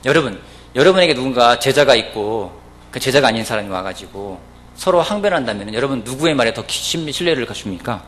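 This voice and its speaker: Lively storytelling male pastor preaching. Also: brisk, a little hiss or hum. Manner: storytelling, acting out quoted voices, lively pitch. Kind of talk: sermon. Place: church service.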